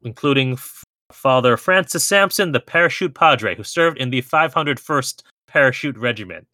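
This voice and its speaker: Man co-hosting, bright dry voice. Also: mid-range voice, animated, moderate pace, no echo. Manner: reads out trivia and movie quotes with laughs. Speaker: podcast co-host. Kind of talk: casual chat.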